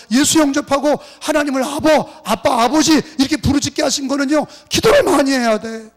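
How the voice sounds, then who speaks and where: A male pastor preaching a revival sermon, emphatic, swinging between loud cries and quiet murmurs, and having the congregation repeat after him. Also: high-pitched. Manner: has congregation repeat phrases. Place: church sanctuary. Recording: long hall reverb, mains hum.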